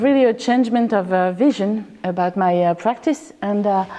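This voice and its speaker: Someone speaks with a French accent at a moderate pace and ordinary pitch variation. Noticeable background noise is present. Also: woman. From France. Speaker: fascia therapist. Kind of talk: lecture. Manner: halting.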